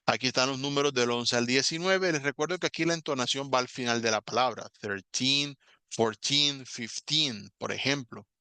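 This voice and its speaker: A man teaching an online English class, patiently explaining step by step and saying English words slowly as examples. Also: mid-range voice, sharp tone, smooth, dry recording.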